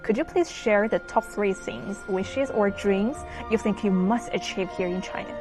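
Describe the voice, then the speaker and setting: A woman hosts the interview in a mid-pitched voice, asking her questions in careful, prepared phrasing. She sometimes hesitates between words. Soft music sits faintly in the background. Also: normal speed. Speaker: interviewer, host.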